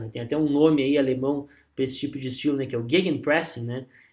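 A man with fairly even intonation talks very fast at a fairly high pitch. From southern Brazil, Porto Alegre. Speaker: football pundit. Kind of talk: casual chat.

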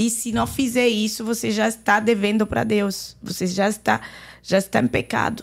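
A woman speaks with an Arabic accent and vocal fry at a fairly high pitch. Her intonation is monotone and flat, and the recording is very clean with a silent background. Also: moderate pace. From Lebanon. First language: Arabic (speaking Portuguese). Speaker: missionary. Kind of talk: testimony.

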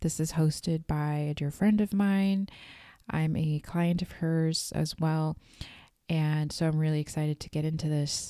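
A woman's very deep, low voice, dark and mellow in tone, moves at a fairly slow pace with fairly even intonation. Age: 30s. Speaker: podcast host. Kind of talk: casual monologue. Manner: conversational, laughs often.

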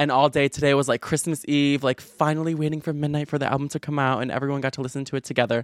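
An animated man with an American accent, fairly high-pitched, racing along at a very fast pace with hardly any pauses, in a dry, close sound with no echo and a very clean recording over a silent background. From Chicago, US Midwest. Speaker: podcast host and TikTok creator. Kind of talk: casual chat. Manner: animated, excitable.

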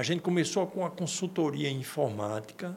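Using a plain, everyday voice, a man speaks at a moderate pace, his pitch varying in an ordinary way. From Brazil, Paraíba (Campina Grande). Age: 60s. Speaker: strategic planning consultant. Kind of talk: interview conversation.

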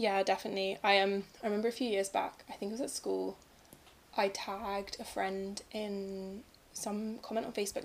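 Monotone, flat intonation from a woman with an English accent at medium pitch. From England. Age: 20s. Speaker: university student. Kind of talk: casual chat.

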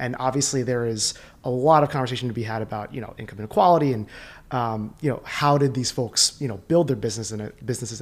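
A man's normal speaking voice, medium in pitch with ordinary pitch variation, at a fairly quick pace. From US Northeast, central New Jersey. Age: 30s. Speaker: beverage company founder.

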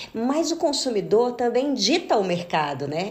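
A woman with a Brazilian accent speaks at a moderate pace over noticeable background noise. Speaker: podcast host. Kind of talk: interview.

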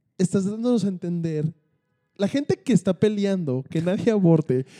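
Against a quiet background, a man with a dark, mellow tone and high pitch speaks at a moderate pace with lively intonation, the sound dry and close with no echo. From Mexico, Hermosillo, Sonora. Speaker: comedian and photographer. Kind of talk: casual chat.

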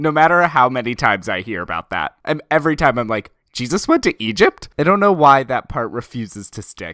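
A man with an American accent talks at a fairly quick pace, with hardly any pauses and very wide pitch swings. His tone is bright and sharp, in a very clean recording with a silent background and a dry, close sound with no echo. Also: medium pitch for a man. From USA. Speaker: podcast co-host. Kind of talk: casual chat.

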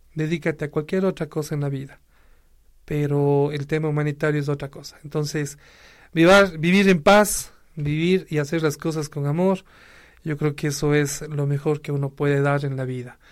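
The recording is very clean, with a silent background. A man in an ordinary speaking voice talks at a moderate pace, with a fairly high pitch and fairly even intonation. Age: 30s. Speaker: Red Cross provincial president. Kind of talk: interview.

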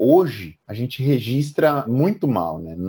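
A man with an unremarkable speaking voice talks at a moderate pace, his medium pitch carried by lively intonation. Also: very clean recording, silent background. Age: 30s. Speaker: maintenance management consultant. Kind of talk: professional panel discussion.

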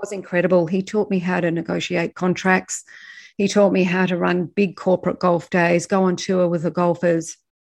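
With an Australian accent, a woman speaks at a moderate pace in a monotone, flat intonation. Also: fairly low pitch for a woman. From Australia, Melbourne. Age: 50s. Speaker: executive life coach. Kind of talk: podcast interview.

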